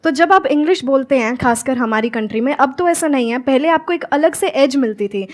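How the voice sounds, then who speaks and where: A young woman in her twenties from Haryana, a motivational speaker and English teacher, talking on stage and mixing Hindi with slow, clear English phrases. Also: sits high, lively intonation. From Haryana, India. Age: 20s. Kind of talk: stage conversation with audience questions.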